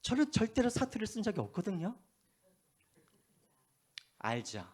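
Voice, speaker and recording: A pastor preaching a sermon, telling stories with a lively voice and dropping to quiet asides, with a faint Jeolla accent. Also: male voice, sits high, moderate pace, husky. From Korea, Gwangju. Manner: animated storytelling, drops to hushed asides. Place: church.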